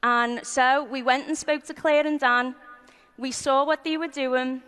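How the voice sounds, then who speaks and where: High-voiced woman telling her story in a big hall. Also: steady tone, unhurried, a bit bright, smooth. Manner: chatty and informal, frequent ums. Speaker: guest speaker at a business event. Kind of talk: personal story told on stage. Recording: long reverb of a large hall.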